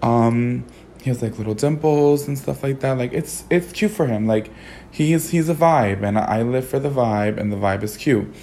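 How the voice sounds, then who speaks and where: A hoarse young man with a sassy, campy manner, telling a personal story as a podcast host while sitting in a car. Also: medium pitch, normal speed, mellow, slight background noise. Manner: sassy, campy, swears a lot. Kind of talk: casual storytelling monologue.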